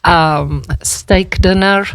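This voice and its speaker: A South African woman whose first language is Afrikaans, explaining things in a measured, conversational way as a radio interview guest. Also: on the low side, clean tone, no echo, clean studio sound.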